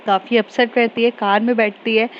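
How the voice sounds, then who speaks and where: A woman retells a love story in a casual, chatty way, full of fillers and mixing English into her Hindi. Her voice sits slightly high. The recording is a bit dull, with a faint hiss behind. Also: level tone, normal speed.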